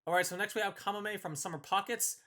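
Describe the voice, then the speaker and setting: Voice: mid-range voice, fairly even intonation, fast talker, fairly bright tone. A video host giving casual, opinionated review commentary in an informal, emphatic and slangy manner. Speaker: video host ranking visual novel characters.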